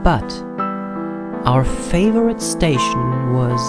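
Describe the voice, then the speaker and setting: A man's voice: mid-range voice, animated, slow pace. Male horror narrator over prominent piano music. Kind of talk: scripted first-person storytelling. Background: prominent piano and keyboard music.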